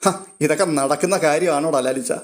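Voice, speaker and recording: A man voicing a calm, protective old grandfather who soothes his granddaughter in a read-aloud story. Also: on the high side, fairly quick, lightly acted. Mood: steady.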